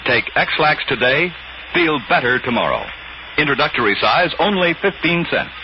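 A man's voice: on the high side, animated, moderate pace, dull audio, a little hiss or hum. A man reading a chipper 1950s radio commercial with a polished, emphatic salesman delivery, on an old broadcast recording. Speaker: commercial announcer.

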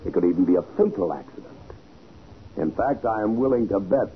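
Man playing a deep-voiced, menacingly polite gambling boss. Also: animated, a little fast, close to an everyday voice. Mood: mocking, threatening. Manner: mock-polite, threatening, slangy. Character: menacing, smoothly polite male gambling-house racketeer. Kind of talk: 1940s radio acting. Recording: muffled, hissy 1940s radio recording.

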